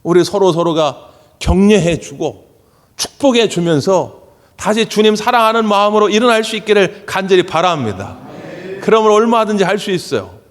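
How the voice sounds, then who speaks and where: A male pastor preaching a Sunday sermon in a church sanctuary. He tells stories in an animated way and acts out the voices of the people in them. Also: high voice. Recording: long church hall reverb.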